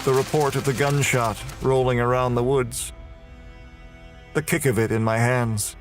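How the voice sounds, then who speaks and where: An actor playing a tormented, damned murderer, delivering a brooding first-person horror audio drama monologue. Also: male voice, mid-range voice, fairly even intonation, unhurried, close to an everyday voice. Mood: cold, brooding. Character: damned male murderer prisoner, tormented, confessing in hell. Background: music.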